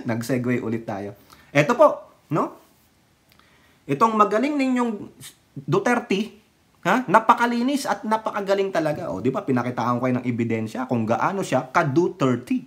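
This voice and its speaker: A vlogger rants about politics in a loose, mocking tone, laughing a lot and cursing. His pitch and volume leap around sharply, with a sing-song lilt, normal pace, and long pauses.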